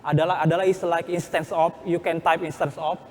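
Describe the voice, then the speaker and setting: A man with an Indonesian accent speaks in a fairly high voice, his words ringing in a reverberant hall. He teaches step by step as a workshop presenter, in halting English that circles back and rephrases. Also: flat delivery, darkish tone, a little hiss or hum. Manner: halting, repeats and rephrases in non-native English.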